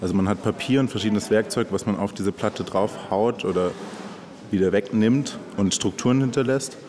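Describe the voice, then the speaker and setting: A man with a very deep voice calmly explains his own artwork. He sounds reflective and thoughtful. He talks the process through at an unhurried pace. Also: crowd noise. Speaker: artist.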